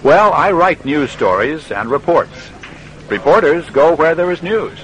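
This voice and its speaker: An actor playing a friendly radio reporter in a scripted language-lesson dialogue, speaking clearly and patiently. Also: male voice, on the high side, animated, measured pace, a little hiss or hum, rough recording. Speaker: interviewer.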